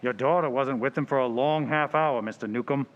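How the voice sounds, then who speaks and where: A man's voice: medium pitch, fairly quick, muffled recording, lightly acted. A man playing a no-nonsense, authoritative police detective sergeant in an old-time radio drama. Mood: stern, businesslike. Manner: curt, authoritative, slangy.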